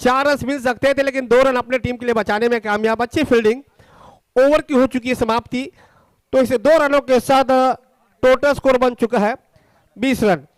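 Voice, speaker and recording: An Indian man calls a cricket match live in a very high-pitched, smooth and clear voice. He sounds excited as he follows the play ball by ball and keeps restating the score. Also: moderate pace, no room sound.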